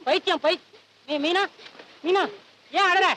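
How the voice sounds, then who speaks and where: An actor playing a brash, cheeky young wannabe film director, talking in high-pitched, rapid comic patter in a 1960s film comedy. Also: male voice, steady tone, pushed and bright, a little hiss or hum, heavily acted. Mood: bossy teasing.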